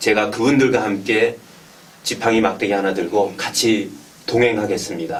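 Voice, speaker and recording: At a moderate pace, a man with a fairly low pitch keeps his intonation fairly even over noticeable background noise. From South Korea, Paju (Gyeonggi). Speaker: party politician. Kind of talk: interview. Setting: newspaper office.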